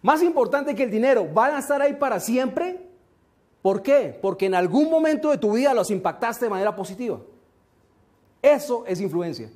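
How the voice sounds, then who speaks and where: A man giving a motivational seminar talk, slow and emphatic, often asking rhetorical questions. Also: very high voice, lively intonation, darkish tone. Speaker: motivational speaker.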